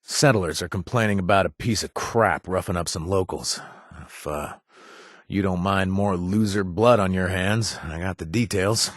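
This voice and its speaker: A man's voice: deep voice, normal speed, dry recording, clean studio sound. An actor playing a wry adult male bartender and former gang member, joking and conspiratorial, in video game voice lines. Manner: joking and conspiratorial, laughs often.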